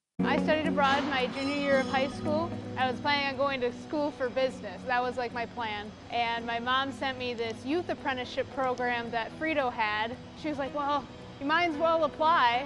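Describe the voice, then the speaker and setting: With an American accent, a woman speaks at a moderate pace in a high pitch while music plays in the background. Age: 20s. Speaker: industrial maintenance apprentice. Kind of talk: interview answer.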